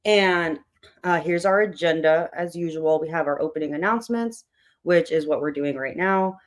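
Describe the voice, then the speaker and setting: A hoarse book club host with a tired voice, chatting loosely with many fillers while opening an online meeting. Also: mid-range voice, moderate pace.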